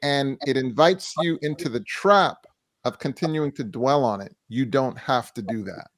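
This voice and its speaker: A man co-hosting a mental health talk show, answering a viewer's question in a measured way and repeating key phrases for emphasis. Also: mid-range voice, no room sound.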